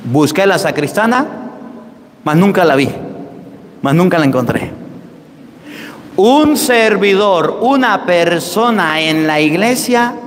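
Venezuelan priest giving a sermon, high voice, big church reverb, acts out the characters. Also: male voice, takes it slowly, long pauses, a little hiss or hum. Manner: lively storyteller who acts out voices. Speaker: Catholic priest. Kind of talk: sermon with anecdotes.

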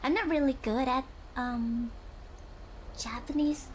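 A young woman from Indonesia chatting casually while gaming on stream, halting and searching for words, often giggling. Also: high-pitched, a little hiss or hum. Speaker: virtual streamer.

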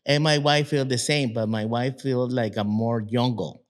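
A man in his fifties from Guatemala, Spanish-speaking by birth, talking haltingly in broken English about his plant nursery in a casual interview. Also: mid-range voice, steady tone. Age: 50s. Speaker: guest, nursery owner.

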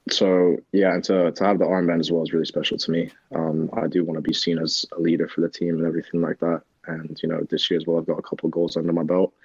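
A young man from Texas with a mixed American and English accent, answering interview questions casually with lots of pauses, speaking into earbuds on a video call. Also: deep voice, breathy edge, no echo, highs cut off. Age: young adult. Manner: relaxed, hesitant, many ums. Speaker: soccer player, guest.

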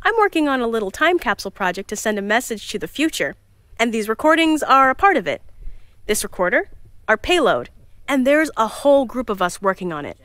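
A woman's voice: on the high side, very animated, a little fast, a bit bright, no echo. A woman playing bubbly organizer Jules. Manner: bubbly, chatty, flustered. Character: cheerful young woman Jules, earnest team organizer. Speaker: narrator of time capsule recordings.

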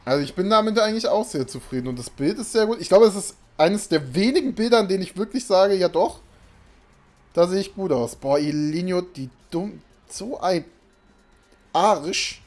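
A man's voice: high voice, expressive, moderate pace, darkish tone. A young man live-streaming a game at home, chatting casually and rambling to his viewers, sometimes breaking into exasperated outbursts. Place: small room indoors. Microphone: desk mic, webcam in a home room. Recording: faint game music behind.

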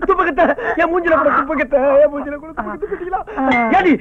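An actor playing a grumbling, greedy comic farmer who rants and wails loudly, in film comedy dialogue. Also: male voice, very high-pitched, racing, crowd noise. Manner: loud comic wailing and ranting. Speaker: comic villager husband. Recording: dull lo-fi film soundtrack.

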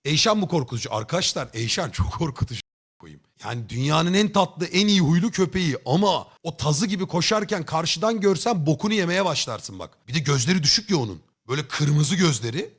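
A man's voice: fairly high pitch, expressive, a little fast, slightly rough. A man livestreaming from home, telling a story in a casual, blunt way, with swearing and comic exaggeration. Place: home streaming setup.

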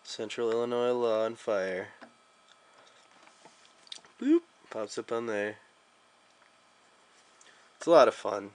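A man's voice: lowish voice, slow, long pauses, clean tone. A young American man giving a casual, slangy, joking app demo as a video reviewer.

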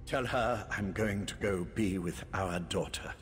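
An actor playing a dying older mage who gives a slow, fading farewell in a video game. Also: male voice, low-pitched, slight background noise. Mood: tender.

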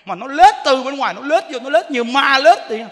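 High-pitched monk preaching. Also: male voice, a little fast. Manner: animated, repetitive, addresses listeners directly. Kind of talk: Buddhist sermon. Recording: long reverb of a hall.

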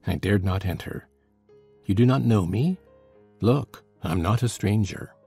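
A dark, brooding stranger, played by a man in a dramatized novel. The voice is low and husky with a gravelly creak, intense and mysterious. Music runs beneath it. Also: animated, unhurried, full character voice. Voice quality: deep, gravelly. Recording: music under the voice.

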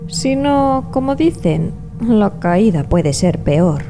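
Unhurried, mellow woman adventurer. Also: medium pitch, sing-song, soft background music. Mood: wistful, excited. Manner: soothing, affectionate. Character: warm, adventurous woman, loyal friend and would-be explorer. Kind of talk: audio drama acting.

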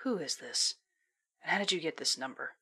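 A woman's voice: low voice, animated, fairly quick, heavy background noise. A woman playing a cold, condescending villainous spy commander in an audio drama. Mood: cold, imperious. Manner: condescending, taunting, menacing.

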